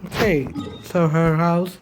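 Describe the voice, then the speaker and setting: A woman streamer giving casual gameplay commentary, halting as she thinks aloud. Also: lowish voice, steady tone, low-quality recording. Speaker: gaming streamer. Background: faint game music.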